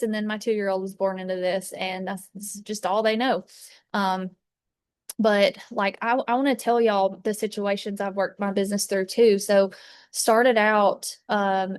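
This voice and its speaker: A woman talks casually and at length. She rambles with fillers and restarts. Her voice sits at a middle pitch, and the recording is dry and close, with no room echo. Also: smooth. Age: 30s. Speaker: fragrance consultant. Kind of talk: casual chat. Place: inside an RV.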